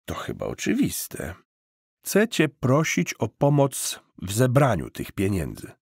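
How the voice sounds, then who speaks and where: A man acts out a pushy, smooth-talking hustler in an audiobook. He is emphatic and coaxing like a salesman, with lively swoops of pitch and a rough-edged voice, recorded very dry. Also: takes it slowly, no echo, full character voice. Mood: breezy, persuasive. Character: smooth-talking eager hustler cousin, persuasive adult man.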